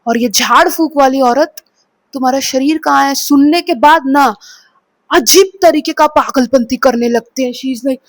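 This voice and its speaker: High-pitched woman from kolkata telling a scary dream, dramatic, dry sound. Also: normal speed, no echo. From Kolkata, India. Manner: dramatic, expressive retelling of a dream; mixes in English phrases. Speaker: vlogger. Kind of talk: storytelling vlog.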